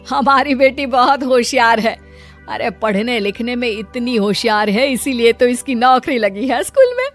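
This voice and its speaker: A woman voicing a scolding, sharp-tongued middle-aged mother in an animated story. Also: on the high side, normal speed, faint music behind, natural voice. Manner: scolding, taunting.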